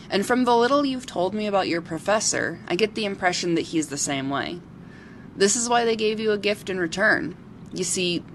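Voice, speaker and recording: A woman playing a kindly local who befriends forest creatures in an audio drama, talking in a gentle, earnest, storytelling way. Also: fairly low pitch, a little hiss or hum. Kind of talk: amateur audio drama acting.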